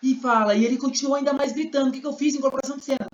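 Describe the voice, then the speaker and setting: A man's voice: extremely high pitch, fairly even intonation, very fast. Man, Brazilian Portuguese accent, teaching a class, roomy echo, dull lo-fi sound. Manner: explains with examples, acts out scenes. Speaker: sign language interpreting teacher. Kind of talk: classroom lesson.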